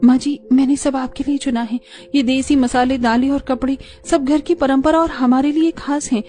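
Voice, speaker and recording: A woman plays a gentle young daughter-in-law in an animated story. She speaks softly and earnestly in a slightly high voice. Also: normal speed, natural voice. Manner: soft, earnest.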